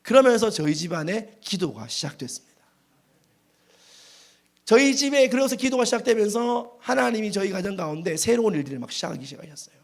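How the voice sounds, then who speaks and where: A male pastor delivers a revival sermon in a church. His voice sits high with a gravelly edge and leaps up and down as he acts out his stories. The telling is animated and dramatic. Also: fairly quick. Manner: animated storytelling with dramatic acted quotes.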